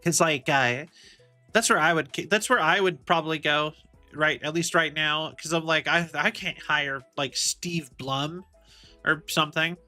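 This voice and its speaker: A man's voice: a little high, a little slow, sharp tone, soft background music. A young man streaming as a VTuber, chatting casually and rambling, often circling back with "like I said". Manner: rambling, repeats "like I said".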